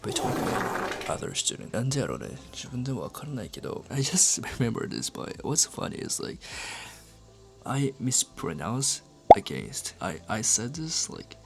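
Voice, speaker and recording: A young man who speaks English with a Japanese accent, Japanese being his first language, talking casually to camera in a halting way with many fillers. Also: mid-range voice, sing-song, creaky, loud music behind the voice. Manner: halting, filler-heavy, asks "right?" often. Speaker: English-learning YouTuber. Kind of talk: casual vlog talk to camera.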